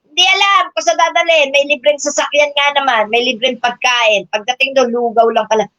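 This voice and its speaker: A high-pitched older woman talks straight to her live viewers, scornful and cursing, breaking into laughs as she mocks her critics. Her voice sounds close and dry, with dull lo-fi stream audio. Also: fairly even intonation, a little fast, pushed and bright, no echo. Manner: combative, cursing, mocking, laughs often; addresses viewers as brothers and sisters. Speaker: political livestream vlogger.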